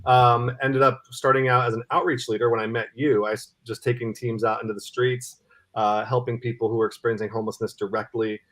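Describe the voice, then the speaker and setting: A man's voice: mid-range voice, level tone, fairly quick, fairly bright tone. A man in his thirties from Cameroon, a nonprofit CEO speaking as a guest in a casual interview, with an eager, earnest manner. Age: 30s.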